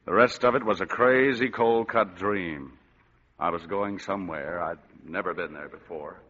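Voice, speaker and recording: A man's voice: low-pitched, normal speed, fairly bright tone, slightly rough. A man narrating and playing a hard-boiled detective in 1940s radio style, wisecracking and tough. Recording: dull old radio recording, long reverb, faint music.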